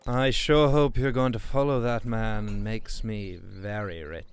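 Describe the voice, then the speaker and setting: A man's voice: on the low side, fairly even intonation, measured pace, smooth. A man acting a greedy, eager black-market arms seller in a radio drama, with broken salesman patter. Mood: obliging, eager.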